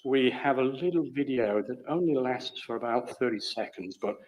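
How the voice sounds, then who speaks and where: Booming-voiced man giving a stage talk. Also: expressive, normal speed, darkish tone, rough recording. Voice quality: big booming voice. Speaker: conservation program leader. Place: large theatre on stage. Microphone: stage microphone.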